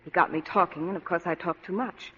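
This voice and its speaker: An actress playing a coy, manipulative glamorous wife in a 1940s-style radio drama. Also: female voice, on the low side, fast talker, a bit bright, breathy edge. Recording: dull lo-fi old radio recording.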